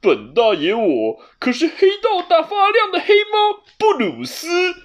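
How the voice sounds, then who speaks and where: A woman voicing a haughty, teasing male black cat in a children's storybook, with a loud, mocking tone. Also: very high-pitched, huge pitch swings, a little slow, voice pushed up, exaggerated voice. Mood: swaggering. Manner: mocking, domineering boasts.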